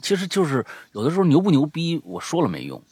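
A man hosting a show, chatting casually and promoting it, with a gravelly voice and a habit of repeating phrases for emphasis. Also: fairly high pitch, huge pitch swings, fast talker, darkish tone, no room sound. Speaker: show host and audio storyteller.

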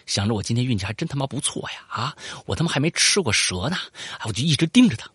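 Speaking fast in a mid-range, breathy voice, a man hosts a casual segment retelling a listener's story with banter. His delivery is animated and rambling, full of swearing, fillers, repeats, and voices for quoted lines. The sound is clean studio audio with no room sound.

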